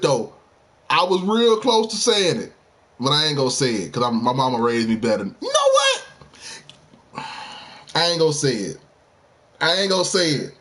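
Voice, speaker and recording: Animated husky-voiced male streamer. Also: medium pitch. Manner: animated, heated sports banter with slang; talks straight to viewers. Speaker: game streamer. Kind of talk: casual live-stream chat.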